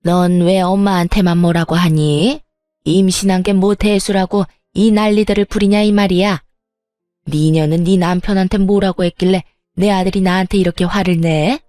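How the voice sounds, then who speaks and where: A woman's voice: lowish voice, moderate pace, dark tone, dry recording, clean studio sound, soft background music, close to an everyday voice. A woman voicing an angry middle-aged mother-in-law who scolds and sneers harshly, in a storytelling reading. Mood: scolding.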